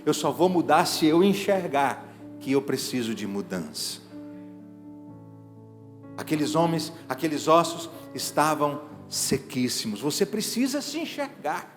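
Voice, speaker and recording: A middle-aged man, preaching an evangelical sermon in emphatic bursts that swing between hushed and loud. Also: medium pitch. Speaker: pastor. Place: church sanctuary. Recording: reverberant hall with faint music behind.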